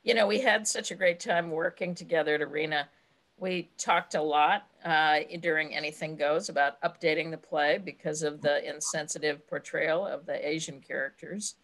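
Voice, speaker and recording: A woman's voice: low voice, steady tone, moderate pace, a bit bright. An older woman hosting a casual interview over a video call from her home, speaking in an effusive, praising manner. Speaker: host. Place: home room with bookshelves.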